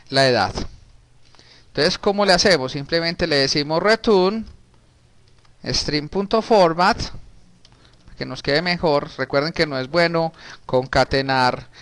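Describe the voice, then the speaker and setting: A man, teaching a programming class in a relaxed way while working on screen. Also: on the high side, clear, resonant tone, no echo. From Colombia. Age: 30s. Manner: casual, talks while typing, frequent restarts and diminutives. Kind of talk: recorded screen-share coding lesson.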